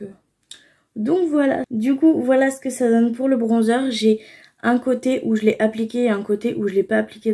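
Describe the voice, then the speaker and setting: A woman's voice: a little high, mellow, husky. A young woman casually talking through her makeup routine, explaining each step with frequent fillers. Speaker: beauty vlogger.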